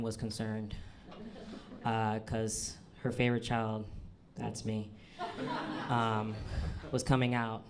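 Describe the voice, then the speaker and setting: Slow, halting trans man doing stand-up. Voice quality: fairly low, manly voice. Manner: self-deprecating, halting with many ums and uhs. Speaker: stand-up storyteller. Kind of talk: stand-up comedy storytelling. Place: comedy club stage. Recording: live club recording with audience noise. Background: audience laughter.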